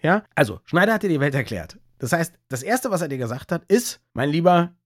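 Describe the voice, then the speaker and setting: A man's voice: fairly high pitch, sing-song, a little fast, a bit bright, no room sound, clean studio sound. A man co-hosting a podcast, asking curious, teasing questions in casual conversation. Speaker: podcast co-host.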